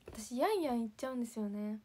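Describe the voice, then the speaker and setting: A woman's voice: on the high side, lively intonation, fast talker, a little mellow, husky. A young woman chatting casually to viewers on a livestream, giggling and sometimes dropping to a whisper. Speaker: idol livestream host.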